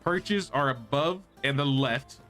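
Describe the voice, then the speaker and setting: A man's voice: mid-range voice, slow, a bit bright, soft background music. A man voicing a cryptic, mystical video game quest-giver in a solemn, instructive way. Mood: grave, instructive. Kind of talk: reading game character dialogue aloud.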